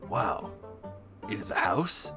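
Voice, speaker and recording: A man's voice: on the low side, big pitch swings, takes it slowly. A man voicing a brooding, frantic male hedgehog antihero in a melodramatic, stilted way, with music behind. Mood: puzzled.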